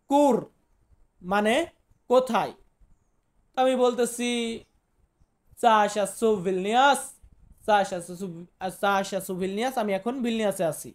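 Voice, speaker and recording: A man from Bangladesh teaches words to his viewers one at a time. He says each term twice, slowly and deliberately. He often poses a question and then answers it himself. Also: very high voice, darkish tone. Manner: repeats each word slowly, asks rhetorical questions. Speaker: language teacher. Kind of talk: vocabulary lesson for viewers.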